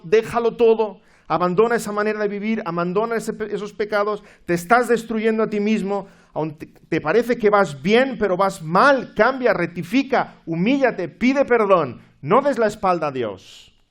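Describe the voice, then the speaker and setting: A man voicing a rescue sailor who shouts urgent commands at a drowning man in a sermon illustration. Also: high voice, moderate pace, few pauses, voice pushed up, close to an everyday voice. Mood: urgent commanding.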